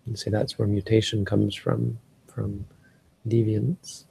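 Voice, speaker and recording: A man's voice: on the low side, flat delivery, takes it slowly, gravelly, warm tone, a little hiss or hum, rough recording. A Canadian man giving a rambling casual talk on a live stream, often restarting and searching for words. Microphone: live stream setup.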